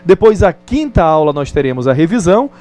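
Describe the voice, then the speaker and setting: A man's voice: a little high, sing-song, brisk, darkish tone, soft background music. A man with a Brazilian Portuguese accent teaching a recorded distance-learning lesson in a conversational way, often checking in with the viewer.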